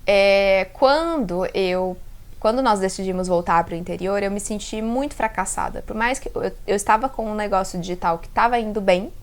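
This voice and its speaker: Speaking at medium pitch and a moderate pace, a woman in her 30s from the interior of São Paulo, Brazil, carries the caipira r of that region. Her vlog about self-leadership is casual and reflective, delivered to camera in an expressive, conversational way that keeps turning to the viewers.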